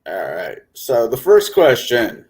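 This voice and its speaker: A man's voice: medium pitch, huge pitch swings, slow pace, darkish tone. A man giving his answers as a panelist in a casual discussion among tabletop gamers.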